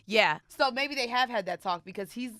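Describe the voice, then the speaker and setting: A woman's voice: on the high side, normal speed, pushed and bright, no room sound, clean studio sound. A young woman co-hosting a casual podcast, blunt and slangy, swearing freely as she chats. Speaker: podcast co-host. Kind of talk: casual, unfiltered chat. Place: podcast studio.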